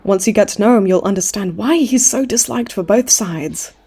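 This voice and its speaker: Smug, mellow-voiced flirty villainess played by a woman. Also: medium pitch, normal speed, slightly rough, soft background music. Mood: teasing. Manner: teasing, mock-sweet, theatrical taunting. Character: smug flirtatious female supervillain in her late twenties, hospitalized. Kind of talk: comedic audio roleplay acting.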